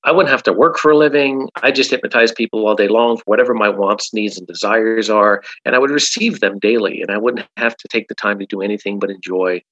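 A man's voice: lowish voice, a little fast, hardly any pauses, fairly bright tone, highs cut off. A man, a hypnotherapist guest in an interview, talking emphatically and often repeating "absolutely". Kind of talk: casual interview talk.

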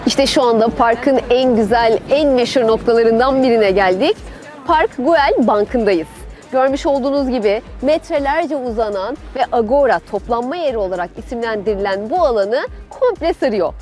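A woman's voice: on the high side, animated, moderate pace, a little mellow, soft background music. A woman hosting a travel show, guiding viewers through an outdoor park in an enthusiastic, chatty way. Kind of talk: travel show presenting, part narration.

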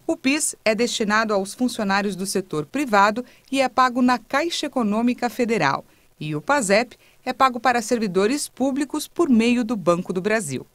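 A woman reporter reading a news report voice-over in a brisk, even narration. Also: on the high side, no room sound.

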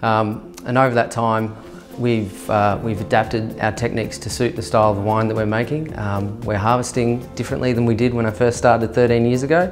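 A man, speaking as a winemaker in a filmed interview, measured and dotted with fillers. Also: medium pitch, flat delivery. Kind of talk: documentary interview. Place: indoor winery tasting room. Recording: music bed underneath.

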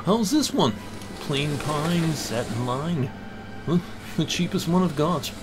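Man playing a slightly high-voiced, businesslike undertaker. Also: expressive, takes it slowly, music in the background. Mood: matter-of-fact. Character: businesslike, coolly practical male small-town undertaker.

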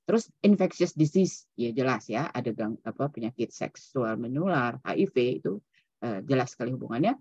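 A woman psychologist gives an online seminar lecture over a video call, her bass voice animated, fairly quick, a little mellow and slightly rough. She speaks loosely and conversationally, mixing in English terms and ending sentences with "gitu ya." The recording is dry and muffled.

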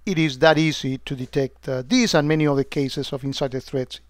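A man walking through a security software demo on screen, talking loosely with many "uh"s and restarts. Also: medium pitch, steady tone, a little fast, dry recording, clean studio sound. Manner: hesitant, many fillers and restarts.

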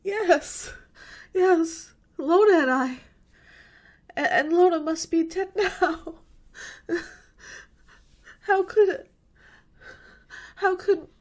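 A woman's voice: very high voice, very slow, pauses often, a little mellow, exaggerated voice. A woman playing a frightened, pleading college girl in a radio horror drama, stammering and tearful. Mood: shocked grief. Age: young adult.

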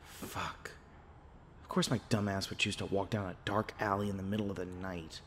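A man's voice: low-pitched, level tone, normal speed, fairly bright tone, a little hiss or hum. A man playing an anxious, nerdy young college student in an audio roleplay, rambling and stammering self-consciously. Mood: self-reproaching. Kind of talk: naturalistic audio roleplay acting.

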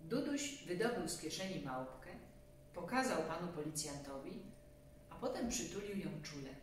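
Low-voiced woman storyteller in echoey room. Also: expressive, normal speed. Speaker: storybook reader. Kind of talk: children's storybook narration. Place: small room at home, seated on a sofa. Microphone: distant camera microphone. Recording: very echoey room, distant mic, faint hum.

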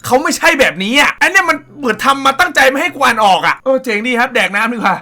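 A young man hosting a casual comedy reaction show, loud and crude, with frequent exclamations. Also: extremely high pitch, animated, very fast. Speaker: reaction video host.

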